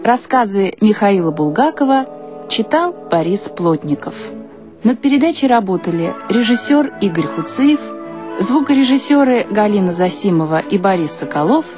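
A woman's voice: medium pitch, big pitch swings, normal speed, over music. A woman reading programme credits as a formal, scripted radio announcement.

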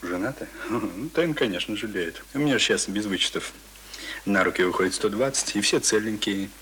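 An actor playing a talkative, pompous middle-aged print worker in a Russian radio play, boasting in folksy colloquial speech. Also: male voice, on the low side, moderate pace, a bit bright, a little hiss or hum, close to an everyday voice. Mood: boastful, contented. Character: talkative middle-aged male print worker, self-important former drinker. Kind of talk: Russian radio drama acting.

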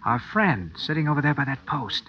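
A man's voice: medium pitch, sing-song, a little fast, close to an everyday voice. Man playing a wry radio hero, muffled sound. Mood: grim resolve. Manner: clipped, wisecracking, slangy. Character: dogged, wry tough-guy male hero of a thriller. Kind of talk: 1940s radio drama acting. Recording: dull, noisy old radio recording.

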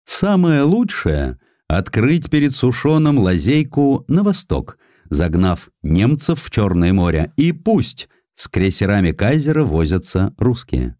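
Man playing a calculating British statesman, highly animated intonation. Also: unhurried, no echo, studio quality. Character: shrewd, confident British naval lord, calculating statesman.

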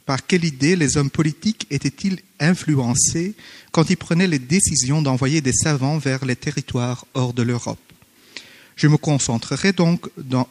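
A man who is not a native French speaker, formally reading a conference paper with hesitant pauses and self-corrections. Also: medium pitch, darkish tone, big-room sound. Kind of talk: academic conference paper read aloud. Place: conference hall.

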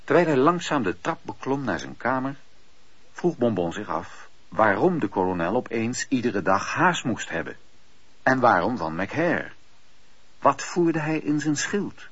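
A man narrating a radio play as an expressive, theatrical storyteller. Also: medium pitch, measured pace, husky, dry recording, full character voice. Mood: storytelling. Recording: dull lo-fi radio play recording.

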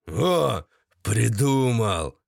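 A man's voice: mid-range voice, big pitch swings, extremely slow, gravelly, no echo, studio quality, full character voice. A man voicing a crude shaven-headed gang leader who drawls in street slang. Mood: menacing.

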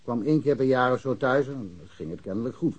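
A man's voice: medium pitch, lively intonation, fast, slightly rough, highs cut off. An actor playing a talkative, blunt village policeman who speaks colloquially and with confidence in a naturalistic radio drama. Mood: informative, frank. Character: chatty, blunt village policeman, worldly-wise and sure of himself.

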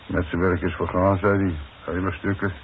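Gruff working-class Dutch foreman, deep voice, wry and blunt, 1960s radio play, thin hissy sound. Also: flat delivery, a little fast. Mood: grave, reporting. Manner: dry, sardonic, blunt. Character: gruff, wry working-class demolition foreman, stubbornly frank with his boss. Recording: muffled, hissy old radio broadcast recording.

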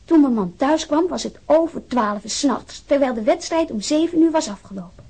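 A woman's voice: sits high, lively intonation, a little fast, dark tone. An actress playing a worried, earnest wife who reads out a complaint letter on her husband's behalf. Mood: indignant, worried. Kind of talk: dramatized reading of a complaint letter.

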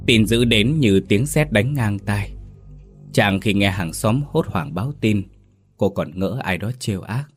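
A man with a very low voice narrates a sorrowful village ghost story. His delivery is solemn and mournful, paced like a scripted audiobook. The tone stays heavy and grave throughout. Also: animated, measured pace, faint music behind.

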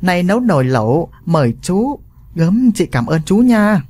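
A man voicing a brash, flirtatious middle-aged village woman who fusses and exclaims loudly. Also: high voice, sing-song, a little slow, heavily acted. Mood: fawning.

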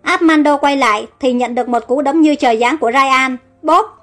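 A woman's voice: high-pitched, fairly quick. A woman narrating an audio story and reading every character's lines in the same voice. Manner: reads all characters in one even voice. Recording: faint background music.

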